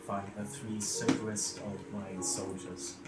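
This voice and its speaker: A man's voice: fairly low pitch, completely flat delivery, a little slow, over loud music. A man chatting casually as a player in a tabletop game. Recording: echoey room, very loud noise.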